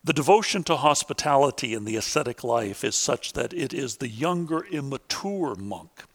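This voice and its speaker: A man reading a scripted academic lecture in a measured, deliberate and formal way, pausing for quotations. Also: mid-range voice.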